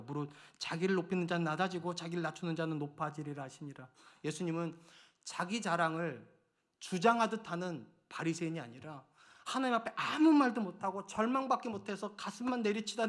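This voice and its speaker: Impassioned middle-aged pastor preaching. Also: male voice, fairly high pitch. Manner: swings between loud urgent pleading and hushed near-whispers. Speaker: senior pastor. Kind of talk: Sunday sermon.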